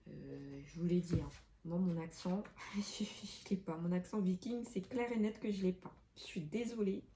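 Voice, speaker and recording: A woman's voice: on the low side, normal speed, mellow. Chatty woman reading tarot cards. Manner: chatty, many fillers and restarts. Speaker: tarot card reader. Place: room with an open window. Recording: faint street noise through window.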